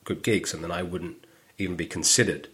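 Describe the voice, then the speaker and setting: A middle-aged man with a London accent and a low, husky voice. He talks casually as a guest on a podcast, telling stories with animation and sometimes acting out other people's lines. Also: a little fast. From northwest London. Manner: animated storytelling, acts out quoted voices. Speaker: stand-up comedian guest.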